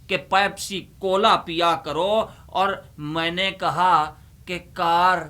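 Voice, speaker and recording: A man's voice: high voice, steady tone, bright, forceful tone. A man reciting humorous poetry as a host, in a theatrical, emphatic manner, repeating lines for effect.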